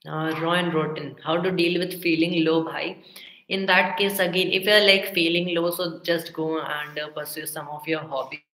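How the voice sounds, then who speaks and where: A teenage boy with a South Asian accent chatting casually and haltingly on a livestream, mixing English and Hindi as he answers viewers. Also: fairly high pitch, flat delivery, pushed and bright. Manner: halting, reading questions aloud. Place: indoor room with bare walls. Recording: echoey room, webcam-style livestream sound.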